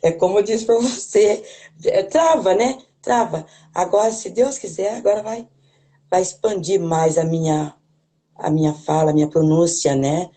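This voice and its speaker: A woman's voice: on the low side, moderate pace, warm tone. A woman with a rural Brazilian accent, talking in a hesitant way with many restarts and tag questions, speaking as a guest on a video call. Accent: Brazilian Portuguese, rural. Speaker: guest, parish worker. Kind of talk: casual conversation, hesitant.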